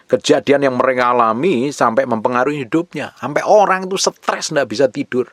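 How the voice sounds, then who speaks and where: A man's voice: mid-range voice, a little fast, fairly bright tone, no echo, clean studio sound. A man preaching a sermon to a congregation, addressing them directly and repeating phrases for emphasis. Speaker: pastor.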